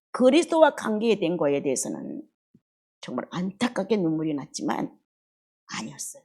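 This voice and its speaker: Middle-aged female preacher, husky delivery, emotional sermon with wide swings from bursts to near-whispers. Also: medium pitch. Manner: emotional, swings between loud outbursts and hushed murmurs. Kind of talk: expository sermon.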